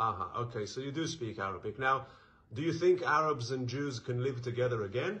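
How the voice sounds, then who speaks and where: Talking at a fairly quick pace, a man uses a bright, sharp tone with ordinary pitch variation. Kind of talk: interviewer questions. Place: home room. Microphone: phone near.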